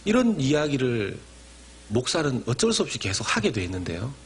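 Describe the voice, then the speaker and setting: A man preaching a Sunday sermon as senior pastor, acting out short imagined dialogues in a quieter voice and climbing sharply in pitch and loudness for emphasis. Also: wildly swooping pitch, fairly quick, a little hiss or hum.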